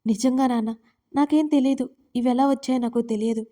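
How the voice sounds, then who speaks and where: A woman voicing a frightened young bride who speaks softly and pleads, in a storybook reading. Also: fairly high pitch, steady tone, brisk, close to an everyday voice. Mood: pleading. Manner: soft, timid, pleading.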